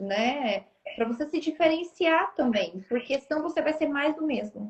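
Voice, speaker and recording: With lively intonation, a woman speaks fairly slowly in a high voice. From Brazil, interior. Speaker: financial consultant. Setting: Instagram live.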